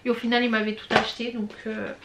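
A woman's voice: fairly high pitch, little pitch movement, fast, very noisy. A young woman chatting casually to camera as a beauty vlogger, gushing about products with lots of hesitations and slang. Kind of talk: casual product review chat.

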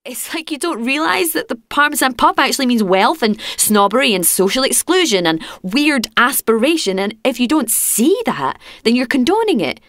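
A woman's voice: high voice, very animated, normal speed, few pauses, fairly bright tone, no room sound, studio quality. A woman playing an earnest, indignant grown-up daughter in a dramatic monologue. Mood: indignant, upset.

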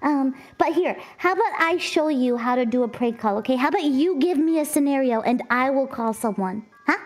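A giggly, encouraging woman streamer co-hosting a show with excited casual banter. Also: sits high, brisk. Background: music.

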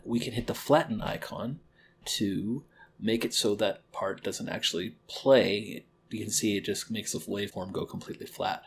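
A man's voice: on the low side, a little hiss or hum. A young man hosting a library tutorial, explaining audio editing step by step in a friendly way, recorded at home. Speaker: library program host. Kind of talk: software tutorial. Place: home kitchen-living room, indoors.

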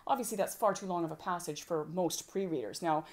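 A woman with a somewhat low voice leads an informal teaching session for a group of homeschooling parents. She talks in a lively, conversational way and slips into short play-acted exchanges between parent and child. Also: brisk. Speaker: homeschooling workshop presenter.

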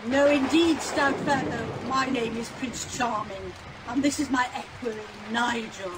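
Woman playing a high-voiced pompous pantomime prince, noisy recording. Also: measured pace, close to an everyday voice. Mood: courteous. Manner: formal, grandly courteous. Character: polite, pompous young male pantomime prince. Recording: noisy home video-call recording.

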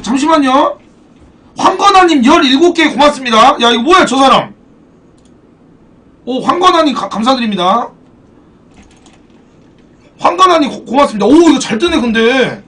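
Streaming a football card game, a man with an extremely high-pitched voice talks at a moderate pace with long pauses, picked up by a distant mic. His casual live-stream chat is animated, full of swearing and banter with viewers, plus thanks to donors.

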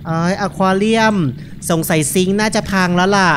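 A man's voice: high-pitched, steady tone, normal speed, fairly bright tone, a little hiss or hum. Laid-back young man commentating a horror game. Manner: laid-back, joking, unafraid. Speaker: gaming video host.

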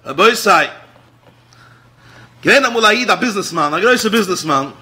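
A male rabbi with a Hasidic Yiddish accent delivers a sermon. His voice sits high and sounds bright. He shifts between loud exclamations and low, murmured asides. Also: expressive, normal speed.

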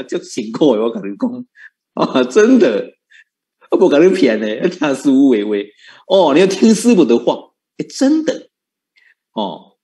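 A man giving a Buddhist dharma talk as a monk teacher, asking rhetorical questions and chuckling often. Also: mid-range voice. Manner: animated, rhetorical questions, frequent chuckles and drawn-out particles.

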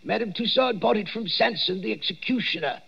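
Creaky, nervous old watchman. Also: high voice, animated, a little fast, pushed and bright, exaggerated voice. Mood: uneasy, hushed. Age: older. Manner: hesitant, full of 'uh's, spooky storytelling. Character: nervous old male waxworks night watchman. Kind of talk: 1940s radio acting. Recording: dull old radio recording.

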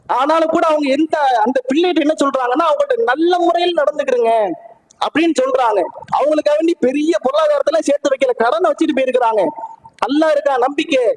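A man preaching a Friday sermon, firing rhetorical questions at the congregation and swinging his pitch hard as he tells the story. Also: poor audio. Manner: emphatic, swings sharply up and down in pitch while telling stories.

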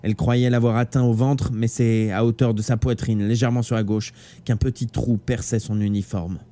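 A man reading a novel aloud live, with steady, dramatic storytelling. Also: mid-range voice, normal speed. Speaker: audiobook reader. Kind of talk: live audiobook narration. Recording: faint background music.

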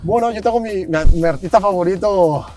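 A teenage man from Colombia answering interview questions on an outdoor park bench, hesitant and soft-spoken, often restarting his sentences. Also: sits high, fairly quick, soft background music. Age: late teens. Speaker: youth footballer guest.

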